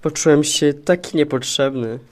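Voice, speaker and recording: A man's voice: fairly high pitch, animated, slow. A man as a whiny, melodramatic little blood cell. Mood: hurt. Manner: melodramatic complaining. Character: whiny, grumbling, vengeful male red blood cell joker.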